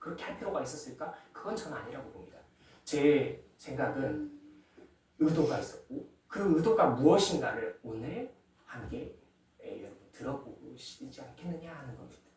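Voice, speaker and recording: A man's speech shows big swings in loudness amid audible room echo and noticeable background noise. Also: moderate pace. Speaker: preacher. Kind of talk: sermon.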